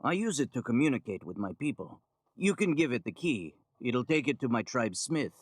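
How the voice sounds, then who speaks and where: A male tribal guide in a video game who speaks deadpan. His pitch still moves a fair amount, and the sound is dry and close. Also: moderate pace, slightly rough, no echo. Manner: deadpan, flat delivery.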